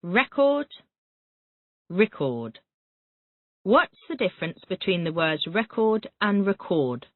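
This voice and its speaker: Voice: mid-range voice, dry recording. An English teacher running a Callan method drill, reading out vocabulary words and asking short repetitive questions. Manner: reads words then asks quick repetitive questions. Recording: tinny phone-like dry audio.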